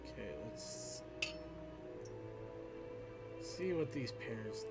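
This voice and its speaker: A man doing a comedic script read on a podcast, halting and stumbling over lines. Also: medium pitch, animated, gravelly, loud music behind the voice. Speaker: podcast cast member. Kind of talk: comedic character read with casual asides.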